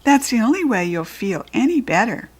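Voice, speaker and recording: A woman's voice: on the high side, sing-song, normal speed, husky, voice pushed up. A woman voicing a kind but firm young tooth fairy who speaks earnestly.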